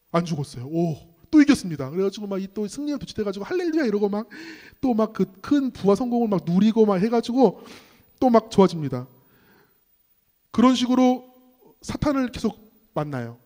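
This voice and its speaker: A man's voice: high voice, warm tone. A man on ministry staff giving a sermon-like special lecture. He tells a story and speaks directly to the audience. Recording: long reverb in a hall.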